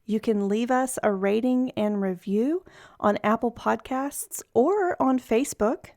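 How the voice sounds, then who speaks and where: A woman's voice: a little high, a little slow, darkish tone, no room sound, studio quality. A woman hosting a podcast, reading promos and interviewing a guest with an upbeat, enthusiastic delivery. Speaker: podcast host.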